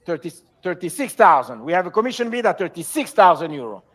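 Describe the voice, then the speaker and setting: A man working as an auctioneer, calling bids in a repetitive, measured way and formally presenting each lot. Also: high-pitched, big pitch swings, a bit bright. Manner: auctioneer delivery, repetitive, measured bid calls.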